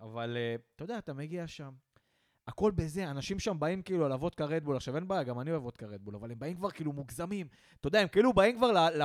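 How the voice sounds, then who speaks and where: A young man co-hosts a podcast, ranting with animation in casual conversation and acting out what other people say. His voice is high, and the dry recording has studio quality.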